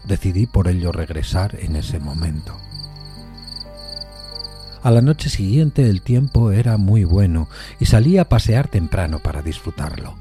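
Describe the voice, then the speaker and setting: A man narrating a literary suspense story in a measured, solemn manner. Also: low voice, lively intonation, over music.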